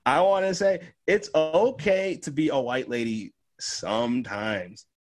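A young man co-hosting a podcast, chatting casually, swearing a lot and jumping into high-pitched voices when he quotes people. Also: a little slow. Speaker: podcast co-host. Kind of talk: casual chat.

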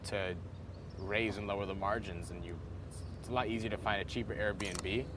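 A man with a lowish voice chats easily as he walks with his guest. He talks in a relaxed, friendly way and restarts now and then. Street traffic is clearly audible under his voice. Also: normal speed. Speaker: host interviewer. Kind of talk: casual walking interview. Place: outdoors on a college campus near traffic. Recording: clear outdoor traffic noise behind.

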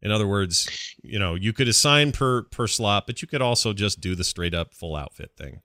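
A man hosts a gaming podcast in casual talk. His voice sits on the low side but has a bright, forward edge. The sound is very dry, with hardly any room in it. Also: lively intonation, moderate pace, no echo. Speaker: podcast co-host.

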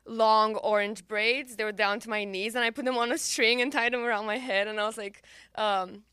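Young woman, Romanian native, bright crisp voice, bubbly interview chat, dry close sound. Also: fairly high pitch, steady tone, moderate pace, dry recording. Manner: bubbly, filler-heavy, laughs easily. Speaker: singer-songwriter guest.

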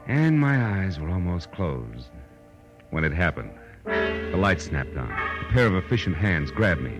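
A man's voice: low-pitched, sing-song, measured pace, muffled recording, loud music behind the voice. An American actor playing a wry, worldly, hard-boiled male private detective in clipped 1940s radio style. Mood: dry, confiding. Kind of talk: 1940s radio detective acting, first-person narration.

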